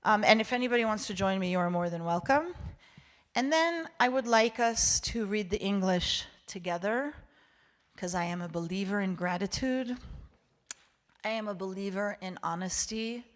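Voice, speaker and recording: In a mid-range voice and at a moderate pace, a woman guest speaker whose native language is Hebrew inspires a synagogue congregation live. Her address is heartfelt and emphatic, with phrases repeated for effect.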